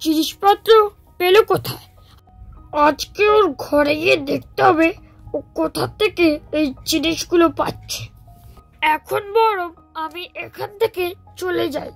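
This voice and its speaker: Lady doing a greedy sneaky village guy from a cartoon, super high sharp voice, music underneath. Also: a little slow, vocal fry, full character voice. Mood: sly, curious. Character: scheming, greedy younger brother, a village husband and thief. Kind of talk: Bengali cartoon moral story dubbing.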